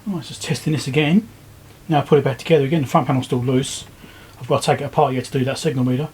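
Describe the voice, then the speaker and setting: A man giving casual, low-key commentary as he works, thinking aloud step by step like a repair video host. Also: fairly even intonation, very fast, a little mellow, breathy edge. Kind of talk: casual hands-on commentary while working. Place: indoor repair workbench.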